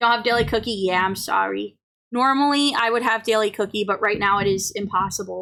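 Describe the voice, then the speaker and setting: The voice has a bright, sharp tone, fairly even intonation and a moderate pace. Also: woman. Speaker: VTuber streamer. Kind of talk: casual livestream chat. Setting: livestream on laptop.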